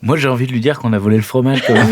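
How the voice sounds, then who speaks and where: A young man playing a tabletop game, talking in a casual, halting way with restarts. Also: mid-range voice. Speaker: player.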